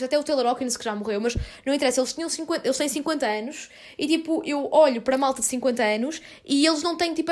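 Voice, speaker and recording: Fast-talking young woman, high voice. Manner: informal, youthful slang-filled speech. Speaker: podcast host. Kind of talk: casual solo podcast chat.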